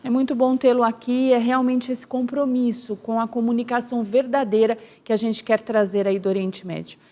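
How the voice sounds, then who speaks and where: A woman's voice: on the high side, flat delivery, moderate pace, a little mellow. A woman news anchor presenting and interviewing a guest in a formal, polished manner.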